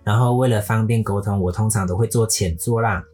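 A podcast host from Malaysia tells a story in Mandarin with a Malaysian accent, in a playful way, mixing in English words. The voice is husky and sits at a middling pitch. Soft guitar music plays faintly behind. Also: fairly even intonation, brisk.

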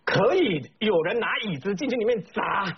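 A man's voice: high-pitched, expressive, moderate pace, creaky, slight background noise. A man with a Taiwanese Mandarin accent giving indignant talk show commentary, full of emphatic rhetorical questions. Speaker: political commentator. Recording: slightly dull broadcast audio.

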